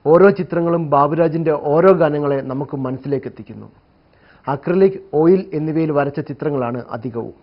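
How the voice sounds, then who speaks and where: A man narrates a scripted feature. His voice sits a little high for a man, and the recording sounds dull and lo-fi. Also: a little fast. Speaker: programme narrator. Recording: muffled, low-fidelity broadcast audio.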